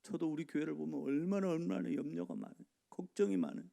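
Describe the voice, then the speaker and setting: A pastor preaching a sermon in a church, swinging between loud exhortation and hushed, near-whispered asides. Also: male voice, a little high, big pitch swings, fast talker, creaky. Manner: acts out congregation members' complaints in changed voices. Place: church sanctuary.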